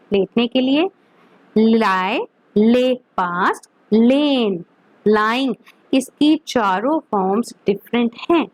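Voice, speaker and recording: A woman gives a grammar lesson, drilling verb forms again and again and checking whether her listeners follow. Her voice sits a little high and moves at an unhurried pace, recorded close and dry with no room sound. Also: no room sound, low-quality recording. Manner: mixes Hindi and English, repeats verb forms, asks checking questions; slow, deliberate over English examples, quicker in Hindi. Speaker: English teacher.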